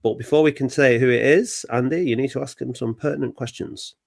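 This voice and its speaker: A man's voice: mid-range voice, fairly quick, gravelly, no room sound, studio quality. Chatty man hosting a podcast. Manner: chatty, bantering. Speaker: podcast host. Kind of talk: casual football podcast chat.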